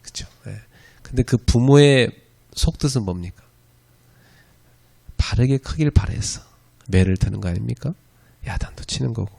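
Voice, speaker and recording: His mid-range voice is gravelly, mellow and slightly rough, moving at normal speed with long pauses. He's a pastor teaching an evangelism school, preaching a conversational sermon lecture at a church and often checking in with the audience through "예" and "그죠?".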